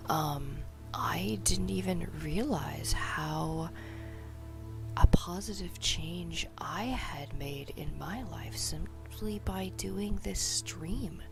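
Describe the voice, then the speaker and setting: A woman hosting a meditation livestream, talking in a soft half-whisper with many ums. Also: fairly low pitch, gravelly. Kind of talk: soft-spoken casual chat. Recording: loud music behind the voice. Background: music.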